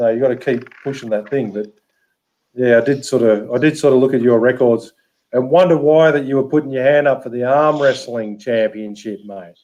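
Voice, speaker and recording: With an Australian accent, a man speaks fairly quickly in a dark, mellow tone, his medium pitch showing ordinary variation. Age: 40s. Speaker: podcast host. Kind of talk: casual chat.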